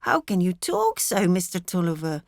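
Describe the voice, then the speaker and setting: A woman's voice: on the low side, huge pitch swings, normal speed, creaky, no room sound, clean studio sound, heavily acted. A woman voicing a fretful middle-aged country wife with a rural English accent, rambling on earnestly and plaintively in an audiobook. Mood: plaintive, fussing.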